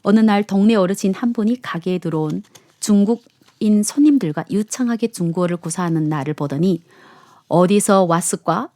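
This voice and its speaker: A woman's voice: on the low side, warm tone, no room sound. A woman presenting a radio program, reading listener letters and chatting in the studio.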